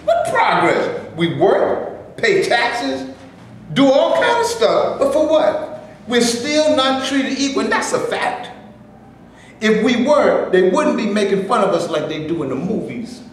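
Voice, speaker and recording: An actor in a staged reading playing an earnest, heated Black actor from the 1930s who wants justice. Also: male voice, extremely high pitch, very animated, a little slow, heavily acted. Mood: indignant. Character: Black male actor in the 1930s, indignant and determined. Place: stage before a live audience. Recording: very echoey room, faint noise.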